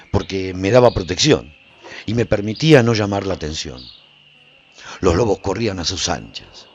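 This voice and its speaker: A man playing a solitary, reflective survivor who recounts his travels in measured, theatrical radio drama narration. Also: on the low side, dull audio. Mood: reflective, recounting. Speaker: narrator and lead actor of a radio serial.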